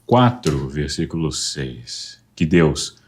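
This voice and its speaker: A man hosting a church talk show, tying the guest's story to scripture with a measured, preaching cadence. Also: rumbling low, lively intonation, breathy edge. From Brazil. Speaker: host of a church program.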